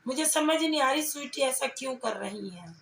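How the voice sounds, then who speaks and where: A woman's voice: high-pitched, lively intonation, moderate pace, fairly bright tone. A woman giving confrontational reaction commentary, scolding and taunting with pointed rhetorical questions. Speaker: reaction vlogger. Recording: echoey room, faint background noise.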